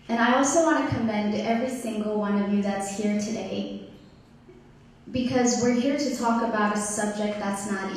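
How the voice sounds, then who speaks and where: A woman from Ethiopia in her thirties giving a prepared community talk as guest speaker, slow and deliberate. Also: medium pitch, a little mellow. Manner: slow, deliberate, measured delivery. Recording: echoey hall, distant mic, faint noise.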